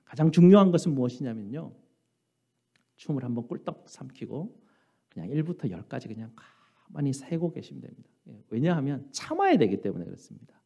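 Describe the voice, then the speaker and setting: A male pastor preaches a sermon with an earnest, searching delivery, asking his listeners question after question. His voice is mellow and a little husky, with pitch rising and falling animatedly. It comes through a dull, lo-fi church recording. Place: church sanctuary.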